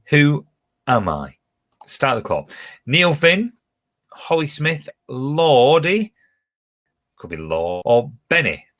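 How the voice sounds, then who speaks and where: A man's voice: a little high, sing-song, takes it slowly, long pauses, a bit bright. A man hosting a pub quiz from home, chatting casually as he reads out questions, answer options and team scores. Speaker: quiz host.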